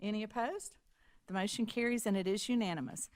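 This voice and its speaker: A woman chairing a school board meeting, brisk and procedural, reading motions and calling votes. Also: medium pitch, no room sound.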